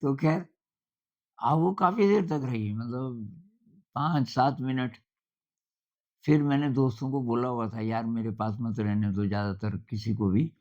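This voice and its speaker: An older man giving an informal talk, speaking in a conversational, anecdotal way with thoughtful pauses. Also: mid-range voice, darkish tone, highs cut off.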